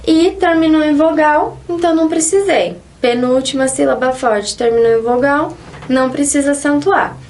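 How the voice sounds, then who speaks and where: High-voiced woman teaching Spanish. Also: darkish tone. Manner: explanatory, slow, stresses example sentences. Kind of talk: online language lesson.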